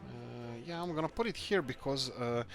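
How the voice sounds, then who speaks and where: A man's voice: medium pitch, animated, normal speed, creaky. A man from Croatia, hosting a let's-play game video and thinking aloud as he builds, often searching for words. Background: background music.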